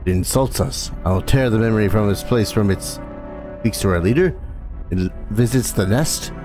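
A man's voice: on the low side, moderate pace, music in the background, natural voice. A man reading out the lines of a hostile alien creature that speaks into the mind, in his own plain voice. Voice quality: harsh and alien. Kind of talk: reading game dialogue aloud.

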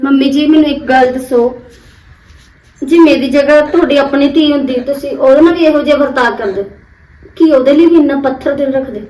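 A woman's voice: sits high, brisk, warm tone, reverberant, recorded from a distance, lightly acted, poor audio. An actress playing a young Punjabi daughter-in-law who pleads with her mother-in-law on behalf of her baby daughter, speaking in a Punjabi accent. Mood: pleading. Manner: pleading, emotional. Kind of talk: short-film drama acting.

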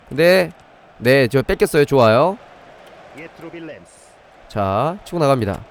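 A man hosting a live game stream, explaining things step by step while chatting with viewers. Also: a little high. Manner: demonstrates step by step while breaking off to address viewers. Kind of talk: live gaming commentary and review, chatting with viewers.

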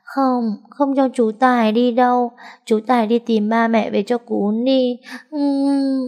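A woman voicing a small orphaned girl who clings and whimpers in a high child's voice. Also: fairly even intonation, takes it slowly, darkish tone. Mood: pleading.

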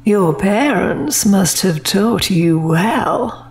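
A woman's voice: medium pitch, animated, very slow, noisy background. A woman playing a wealthy, genteel elderly lady in an audio drama, sweetly patronizing and gracious. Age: older.

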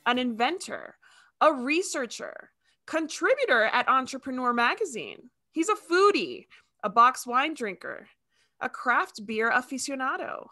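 A bright, lively woman in her thirties hosts a casual video-call chat. She is a native Spanish speaker from Ecuador with a slight accent, and she talks in a bubbly, animated way on earbuds from a home studio. Her voice sits a little high. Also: a little slow. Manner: bubbly, animated, laughs often. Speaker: host.

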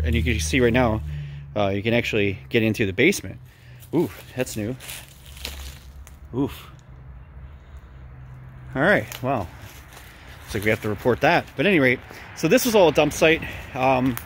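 A man records a casual walking vlog outdoors on a city street, speaking into a handheld phone. His voice sits at an ordinary middle pitch, and he rambles with frequent ums and false starts. Faint street noise hums in the background. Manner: rambling, many ums and restarts. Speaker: local vlogger reporting on abandoned houses. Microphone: handheld phone camera.

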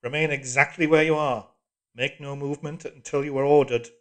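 A man's voice: on the high side, steady tone, brisk, a bit bright, lightly acted. A man voicing a cold, commanding machine voice from a hidden telescreen, barking clipped orders in an audiobook. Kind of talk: audiobook character voice.

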